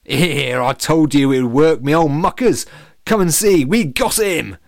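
A man voicing a scheming male banana villain in a storybook reading, cocky and rough in manner. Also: on the high side, a little slow, no echo, studio quality, pitched above the performer's own voice. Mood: gloating.

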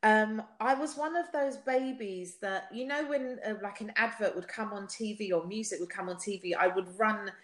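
A woman in her forties, a singer being interviewed, talking in an animated, chatty way with quick laughs and frequent restarts. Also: medium pitch. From United Kingdom. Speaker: guest singer. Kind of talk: casual interview chat. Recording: echoey room.

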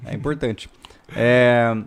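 A man's voice: medium pitch, fairly even intonation, slow, vocal fry, clean tone. A man with a Brazilian accent, joking and slangy in casual live stream banter as a host.

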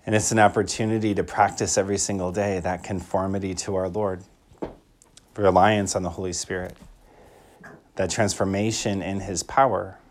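A man's voice: deep voice, flat delivery, normal speed, a little hiss or hum. A man speaking as a Catholic priest, reading scripture and preaching a homily in a reflective manner, repeating phrases for emphasis. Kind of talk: liturgical Gospel reading and homily.

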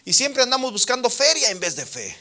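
Fervent high-voiced preacher. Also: male voice, big pitch swings, a little fast. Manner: fervent, rises to loud emphatic peaks. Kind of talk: sermon.

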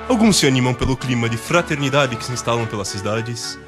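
A man's voice: mid-range voice, expressive, quick pace, natural voice. A man acting as the narrator of a Christmas radio drama, telling it in a scripted storybook style. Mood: storytelling. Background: music.

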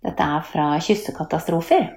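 A woman, a children's book author, chats in a lively way about her books and reads from them. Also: sits low, gravelly. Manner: lively, chatty, with little laughs. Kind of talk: presenting and reading her books. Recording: echoey room.

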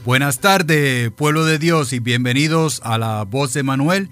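A man's voice: mid-range voice, unhurried, fairly bright tone, clean tone, faint music behind. A man from New York with Puerto Rican parents, hosting a Catholic radio program in a folksy, chatty way with many filler sounds. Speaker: radio program host, deacon. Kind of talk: casual radio talk and Bible reading.

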